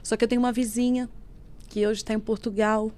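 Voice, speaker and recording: A woman with a fairly high voice tells a personal faith testimony on a podcast. She speaks with feeling and keeps the story lively by acting out what people said. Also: fairly quick. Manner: lively storyteller who acts out quoted speech. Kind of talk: emotional personal testimony in casual chat. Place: podcast studio.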